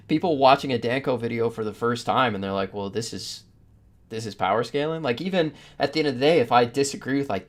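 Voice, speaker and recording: A man hosting a podcast in casual discussion, rambling through his opinions with the odd chuckle as he talks. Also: medium pitch. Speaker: podcast host.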